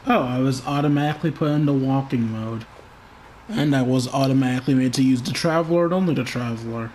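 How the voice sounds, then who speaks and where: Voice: mid-range voice, quick pace, a little mellow, a little hiss or hum. Sarcastic streamer muttering over gameplay. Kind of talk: casual gameplay commentary.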